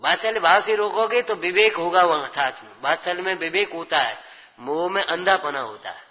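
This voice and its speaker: A religious teacher preaches a scripture sermon, urging his listeners on and testing their understanding with rhetorical questions. He has a high, animated voice at normal speed. The recording is dull and lo-fi, drenched in long hall reverb.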